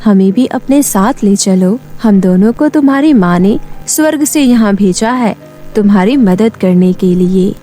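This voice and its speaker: A woman's voice: medium pitch, lively intonation, unhurried, mellow, soft background music, voice pushed down. A woman voicing a helpful, reassuring enchanted talking garment in a fairy tale. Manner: reassuring, explanatory. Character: helpful talking magic skirts of gold and silver.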